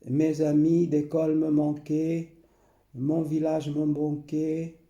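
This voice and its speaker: A man, recalling his past slowly and hesitantly, often pausing and repeating himself. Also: on the high side, completely flat delivery, warm tone, echoey room, dull audio. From Portugal. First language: Portuguese. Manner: hesitant, many pauses and repeated phrases. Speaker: memoir narrator. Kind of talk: slow personal recollection.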